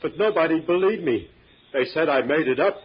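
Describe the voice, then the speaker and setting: Very raspy, simple-minded timid fellow. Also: male voice, a little high, animated, fairly quick. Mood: naive, earnest. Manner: hesitant, folksy, naive. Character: simple, timid, uneducated local fellow, eager and naive. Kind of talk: old-time radio drama acting. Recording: muffled old radio drama recording.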